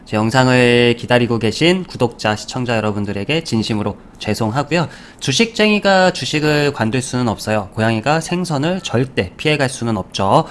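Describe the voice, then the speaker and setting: A man's voice: mid-range voice, lively intonation, fairly quick, few pauses, slight background noise. A man hosting a stock market channel, talking casually over charts, full of fillers, rhetorical questions and little puns.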